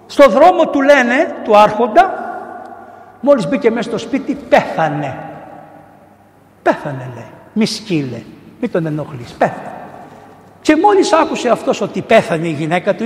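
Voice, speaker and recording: A middle-aged male priest delivers a storytelling sermon, slipping into the voices of the people in his tales. His voice sits high and moves in wide, animated swings. The sound carries the long reverb of a large church. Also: vocal fry. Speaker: priest and missionary preacher. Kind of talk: sermon retelling saints' stories.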